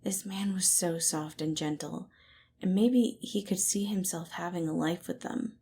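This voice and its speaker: A woman narrates a piece of fiction in a slightly low voice. The delivery is scripted storytelling, read aloud as an audio story. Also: measured pace, dark tone, a little hiss or hum.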